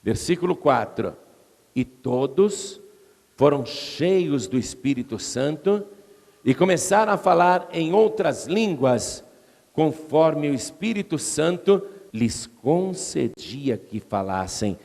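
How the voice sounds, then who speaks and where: A man's voice: animated, slow, vocal fry, darkish tone. A man with a Brazilian Portuguese accent preaching an expository sermon, retelling scripture dramatically in a church hall. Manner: dramatic storytelling, acting out crowd voices with rising pitch. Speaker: pastor. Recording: long reverb of a large hall.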